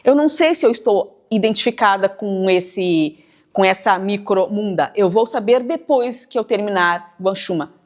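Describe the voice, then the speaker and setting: Thoughtful woman writer. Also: medium pitch. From southern Brazil, near the Uruguay border. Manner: measured, thoughtful, stretches words while thinking. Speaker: writer, interview guest. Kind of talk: reflective interview talk.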